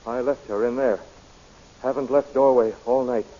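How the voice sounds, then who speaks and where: An actor playing a drugged, drowsy palace guard with a husky, halting voice in a 1930s radio serial. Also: male voice, mid-range voice, fairly even intonation, warm tone, lightly acted. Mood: groggy, confused. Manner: halting, groggy. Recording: muffled old radio recording.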